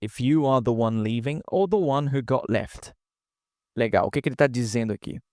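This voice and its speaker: A man's voice: mid-range voice, moderate pace, darkish tone, dry recording, clean studio sound. A man teaching English pronunciation in a casual online lesson, explaining step by step and often checking in with students.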